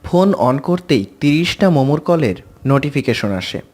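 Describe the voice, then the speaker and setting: A man's voice: fairly high pitch, animated, normal speed, darkish tone. A man narrating a playful romantic story aloud.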